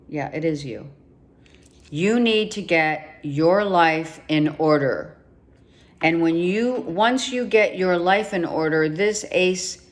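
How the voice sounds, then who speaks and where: A woman giving a monthly tarot reading, emphatic and repeating herself, her voice going hoarse with some coughing. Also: low voice. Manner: emphatic, repeats herself, talks straight to the viewer. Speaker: tarot reader.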